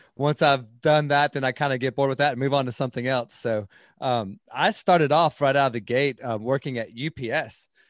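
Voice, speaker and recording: With a Southern US accent, a man at medium pitch talks at a fairly quick pace with ordinary pitch variation, recorded dry and close with no echo. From US South, Georgia. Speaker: podcaster and life coach. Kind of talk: casual interview. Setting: remote call.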